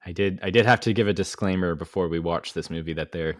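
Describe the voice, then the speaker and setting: A man with a very low voice co-hosts a laid-back movie podcast. He is chatty and quick to laugh, and the sound is close and dry, with no room around it. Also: no echo. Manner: laughs easily, relaxed and chatty. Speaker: podcast co-host. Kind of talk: casual movie podcast chat.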